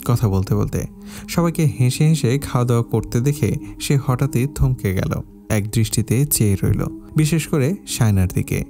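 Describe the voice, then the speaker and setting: A man narrating an audio story in a steady, measured reading style. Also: medium pitch, gravelly. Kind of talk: scripted narration. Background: faint background music.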